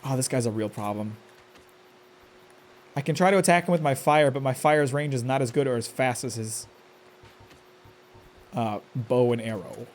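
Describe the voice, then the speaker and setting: Here a man of medium pitch speaks at a normal speed with long pauses, and there's slight background noise. Live-streaming a game, he's stressed, talks to himself, and curses at foes with sudden outbursts.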